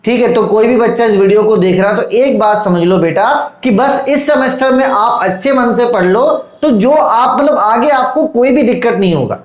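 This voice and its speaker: A male teacher giving an online lecture to students, coaxing and fatherly, often pausing to check "okay?" and "look". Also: very high-pitched, reverberant, rough recording. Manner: repeats checks like "theek hai" and "dekho".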